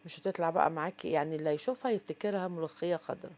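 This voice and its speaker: Fast-chatting Egyptian woman cooking host. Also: sits low, darkish tone. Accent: Egyptian Arabic. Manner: chatty, addresses viewers directly, frequent fillers. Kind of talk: casual cooking tutorial.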